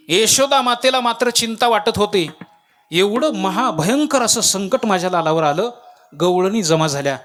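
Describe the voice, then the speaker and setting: A male kirtan preacher from Latur, telling a devotional story in an animated way and acting out the characters. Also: fairly high pitch. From Latur, India.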